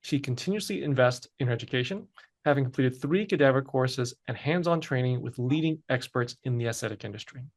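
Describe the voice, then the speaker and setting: A man's voice: mid-range voice, brisk. A man hosting a podcast, reading a guest introduction and asking interview questions. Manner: steady, reads scripted intro then asks questions. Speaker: podcast host.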